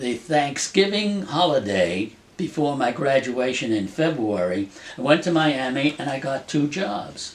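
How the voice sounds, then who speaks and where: Lively in intonation yet very slow in pace, a man speaks at a medium pitch over noticeable background noise. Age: 80s+. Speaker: radio producer and entertainer. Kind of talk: interview answer.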